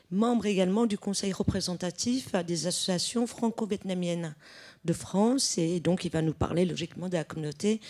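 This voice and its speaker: A woman's voice: mid-range voice, mellow. A woman moderating a conference roundtable, thanking a speaker and formally introducing the next one with his titles. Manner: measured, reads titles aloud. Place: conference room.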